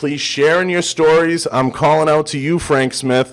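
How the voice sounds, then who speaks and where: A man talks in a Boston accent with a fairly high pitch. The recording is very clean, with a silent background. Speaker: podcast host. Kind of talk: casual interview. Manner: animated.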